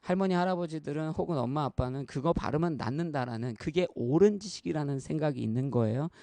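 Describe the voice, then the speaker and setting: Preaching fast in a church, a pastor in his thirties speaks earnestly and conversationally, repeatedly addressing the congregation and weaving in stories from his life. His voice is a touch high for a man, gravelly with vocal fry and a mellow, dark tone, recorded dry and close with little room echo.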